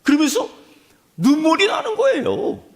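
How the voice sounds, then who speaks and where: A male pastor delivering a sermon as animated storytelling, dropping to a hush and rising again. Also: very high-pitched, moderate pace. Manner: animated storytelling, swings from hushed to loud.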